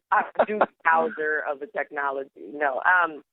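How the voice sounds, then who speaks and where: A woman's voice: low voice, expressive, a little slow, a little hiss or hum. A woman from Trinidad with a Trinidadian accent, a guest telling her story in a playful, laughing, casual way. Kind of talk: casual interview chat. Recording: tinny phone-line call, dry.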